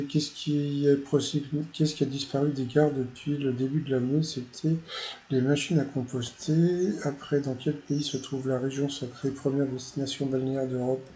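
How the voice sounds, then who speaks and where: A man talks through a quiz show episode in a loose, rambling recap, stopping and restarting often. His voice is dark and mellow. A faint hum of ambience sits behind him. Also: mid-range voice, flat delivery, normal speed. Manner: rambling, full of fillers and restarts. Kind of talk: casual recap commentary.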